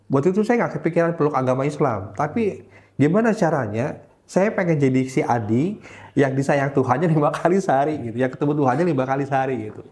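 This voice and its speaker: Man telling a story with animated delivery. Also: a little high. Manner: animated, acts out the voices of people in his story; searches for words with frequent fillers. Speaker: interview guest recounting a religious conversion. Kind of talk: casual storytelling in conversation.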